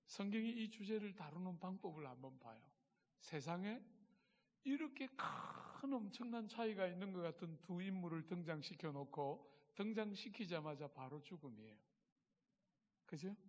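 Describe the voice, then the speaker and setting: A middle-aged man preaching a sermon as pastor, telling stories with strong feeling and swinging from soft to loud. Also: fairly high pitch, long reverb tail.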